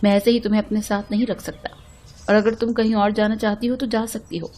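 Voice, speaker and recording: Calm, sorrowful rich young man, matter-of-fact, read by a female storyteller. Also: medium pitch, brisk, natural voice.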